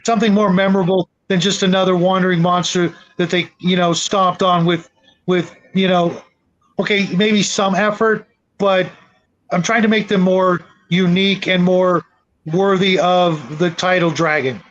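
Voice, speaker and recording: A man's voice: sits high, fairly even intonation, normal speed. A man chatting casually in an online panel discussion over dull, lo-fi call audio. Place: remote online video call.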